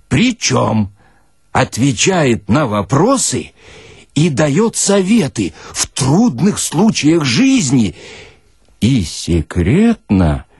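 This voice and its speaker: Young male sideshow announcer, voiced by a male narrator: showy, drawn-out, swooping delivery, quick to indignation, radio storytelling. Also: on the high side, a little mellow, slightly rough, dry recording, studio quality, voice pushed up, full character voice. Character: young male sideshow barker, grandly polite, easily indignant. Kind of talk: dramatic story reading.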